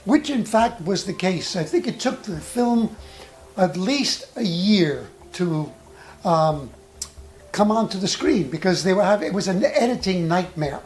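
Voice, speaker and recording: An acting coach giving an instructional talk with personal anecdotes, speaking in a measured, deliberate way with thoughtful pauses. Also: medium pitch, lively intonation, darkish tone, faint music behind.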